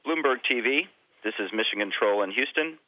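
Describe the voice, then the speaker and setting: A man at mission control making brisk procedural calls over a radio comm loop. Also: medium pitch, animated. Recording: dull dry radio audio.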